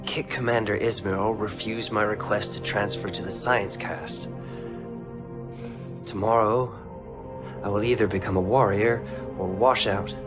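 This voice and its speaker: A man playing a gentle, self-doubting young cadet in a video game cutscene, subdued and sincere. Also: lowish voice, steady tone, measured pace, over music, natural voice. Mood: doubtful. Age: young adult.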